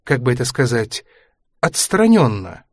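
A man reading a book aloud, voicing an aging former ballerina who is anxious, proud and sharp-tongued, in a higher, tense voice. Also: sing-song, a little slow, no echo, clean studio sound. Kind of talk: audiobook character reading.

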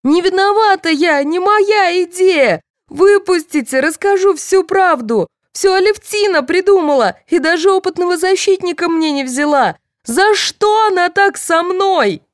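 A woman voicing a desperate young woman on trial, pleading and sobbing in a shrill, frantic voice. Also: fairly even intonation, moderate pace, few pauses, darkish tone, no echo, studio quality, natural voice. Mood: hysterical. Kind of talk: audiobook character voice.

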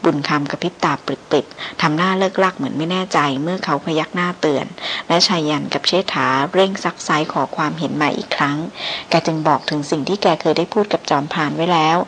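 A woman narrating a novel as an audiobook in a measured, even reading voice. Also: low voice, a little hiss or hum, rough recording.

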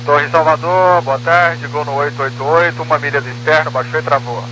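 A man's voice: fairly high pitch, steady tone, brisk, pushed and bright, low-quality recording. A Brazilian man speaking as a pilot, making position calls and readbacks on air traffic control radio. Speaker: airline pilot. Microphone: radio transmission. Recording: faintly humming aviation radio.

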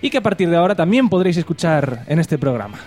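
Brief: male host, sarcastic deadpan jokes, brisk delivery, faint music under him. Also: fairly high pitch. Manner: mock-serious, sarcastic. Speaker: podcast host. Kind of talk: comedic podcast chat.

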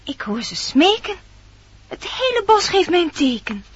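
An actress voicing an innocent, dreamy young maiden of the forest, speaking earnest lyrical verse in a radio play. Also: female voice, very high voice, sing-song, measured pace, full character voice. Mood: wistful. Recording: dull old radio recording.

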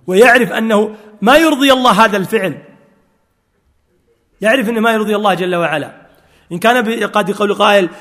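A man's voice: high-pitched, fairly bright tone. A man preaching a sermon with fervent emphasis, quoting scripture and telling stories to his listeners. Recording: long hall reverb.

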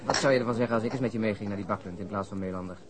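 An actor playing a sardonic police detective who has quit smoking and makes dry, sarcastic jokes. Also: male voice, fairly low pitch, racing, a crowd in the background, close to an everyday voice. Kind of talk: radio drama acting.

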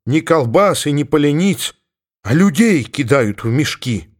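A man's voice: a little high, expressive, measured pace. A man reading a storybook who voices a bewildered middle-aged village weaver exclaiming in dismay.

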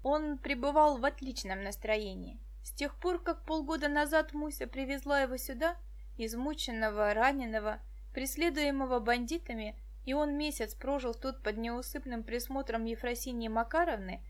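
Woman narrating with a high voice. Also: normal speed. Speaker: audiobook narrator. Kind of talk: scripted narration.

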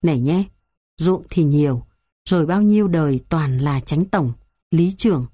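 A woman's voice: deep voice, moderate pace, warm tone, husky, no echo, studio quality. A woman reading the lines of an old village landowner, earnest and anxious. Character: worried old village landowner, elderly man.

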